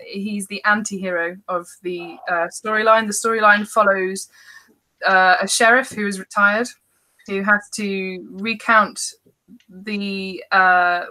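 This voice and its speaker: A woman's voice: mid-range voice, pushed and bright, low-quality recording. A woman speaking as a guest author in casual, informal, self-deprecating podcast conversation.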